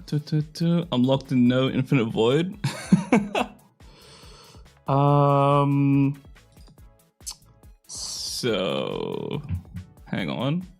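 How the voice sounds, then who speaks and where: A young man chats casually on a live stream, rambling with lots of fillers and poking fun at himself. His throat is a little hoarse and his voice sits at an ordinary middle pitch. Faint music plays behind him. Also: big pitch swings, drawn-out words, pauses often, a little mellow. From Australia. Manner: rambling and self-deprecating, full of fillers.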